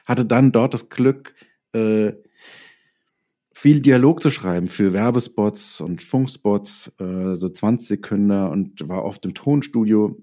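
Male interview guest, relaxed dark tone on the low side, informal anecdotal delivery with pauses. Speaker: interview guest, writer and director. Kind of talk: casual personal storytelling in an interview.

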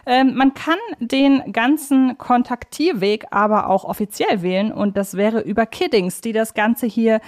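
A woman's voice: a little high, unhurried, hardly any pauses. A woman hosting a podcast interview in a chatty, conversational style. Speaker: podcast host.

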